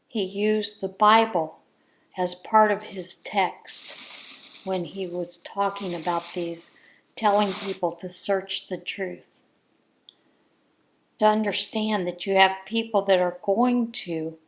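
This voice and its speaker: A woman talking slowly and deliberately in a casual chat, as a crafting channel host speaking from home. Her voice sits at an ordinary middle pitch, and she comes across as earnest and heartfelt.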